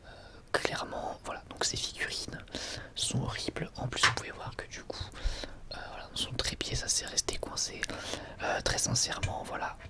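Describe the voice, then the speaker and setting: A man speaks entirely in a soft, unvoiced whisper. He hosts casual ASMR, chatting informally to his viewers. His delivery is hesitant and reassuring, with a breathy texture throughout. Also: moderate pace. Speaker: ASMR video host.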